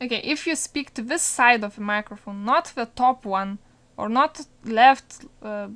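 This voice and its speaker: Speaking with a Lithuanian accent at a fairly slow pace, a woman has a fairly high pitch and a bright, sharp tone. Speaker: microphone reviewer. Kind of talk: tutorial. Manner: halting, many fillers.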